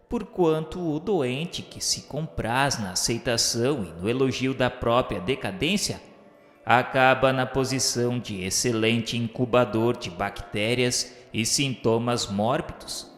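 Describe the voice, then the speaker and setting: An actor with a Brazilian accent playing a reverent disciple who narrates a spiritual radio drama in formal, literary diction. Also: male voice, mid-range voice, a bit bright. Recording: echoey hall reverb.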